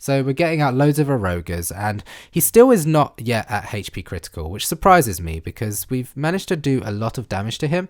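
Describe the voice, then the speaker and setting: Speaking at a fairly quick pace with hardly any pauses, a man with a British accent uses a medium pitch and very wide pitch swings, in a very clean recording with a silent background. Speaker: gaming YouTuber. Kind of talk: gameplay commentary. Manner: animated.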